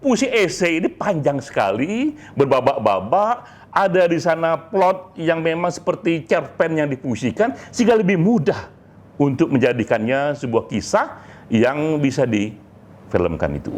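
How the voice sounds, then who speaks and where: A man giving an informal, emphatic monologue to a community, with deliberate pauses and small tag words. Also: fairly high pitch, slight background noise. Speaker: speaker, leader of a poetry community.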